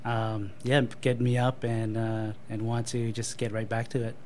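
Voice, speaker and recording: A man answering interview questions at a mid pitch, slow to find his words, with pauses and fillers throughout. His tone is modest and reflective. Faint background noise sits behind him. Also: monotone, darkish tone. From born in Thailand to Cambodian parents, raised in Canada. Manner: hesitant, many ums and uhs, thoughtful pauses. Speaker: marketing manager and guest.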